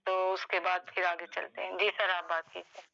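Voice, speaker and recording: A woman moderating an online group session with a bright, hard edge to her voice. She speaks briskly and courteously. The call audio is dull and lo-fi. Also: lowish voice, level tone, creaky, a little hiss or hum.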